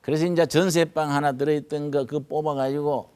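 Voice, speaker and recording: An older male pastor with a Gyeongsang Korean accent, telling stories in a folksy sermon, swinging from hushed asides to loud emphatic bursts. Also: fairly high pitch, fairly even intonation, fairly quick. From North Gyeongsang, Korea. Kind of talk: storytelling sermon.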